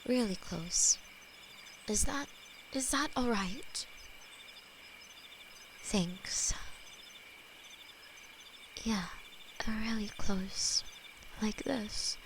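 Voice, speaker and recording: A woman voicing a possessive, tender female demon lover, whispering softly and haltingly in an audio roleplay. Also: mid-range voice. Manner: soft intimate whispering, halting. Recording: steady cricket and night noise behind.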